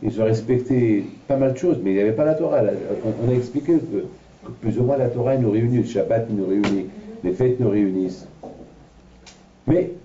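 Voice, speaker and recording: A man's voice: medium pitch, a little fast, slight background noise. A man from Morocco, a rabbi giving a Torah lesson and telling personal stories, acting out the voices in them. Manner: animated storyteller, acting out voices in his anecdotes. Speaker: rabbi teaching a class. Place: large room at an evening lecture. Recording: dull, lo-fi, from a distance in an echoey room.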